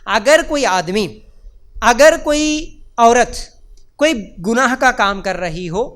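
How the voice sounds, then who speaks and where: A man preaching, his voice pitched strikingly high for a man and notably clear and smooth. He drives his points home by repeating them and asking rhetorical questions. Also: lively intonation, fairly bright tone. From India. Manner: emphatic and repetitive, with rhetorical questions. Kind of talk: religious lecture.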